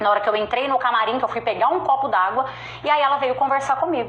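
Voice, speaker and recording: High pitch from a woman, with noticeable noise behind her. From Brazil, interior of Minas Gerais. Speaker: motivational speaker, sales trainer. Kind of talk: motivational talk to an online audience. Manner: animated, expressive.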